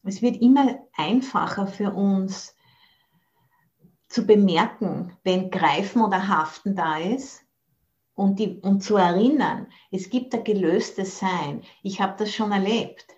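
A woman's voice: medium pitch, slow pace, darkish tone, muffled recording. A woman giving a Buddhist dharma talk over a video call, thoughtful and searching for words. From Austria. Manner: thoughtful, searching for words, mixes in English phrases. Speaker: Buddhist nun teacher.

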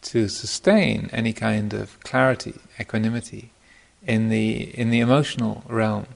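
A man giving an informal dharma talk as a meditation teacher, speaking thoughtfully and hesitantly, often pausing mid-phrase, in a gravelly voice. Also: on the low side, fairly even intonation. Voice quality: gravelly, creaky voice. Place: meditation retreat center.

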